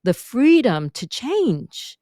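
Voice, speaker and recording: A woman from New York, a speaking and vocal coach, chatting as a guest on a podcast with an expressive, lively teaching manner. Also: a little high, slow pace, no room sound, studio quality. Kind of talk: conversational podcast interview.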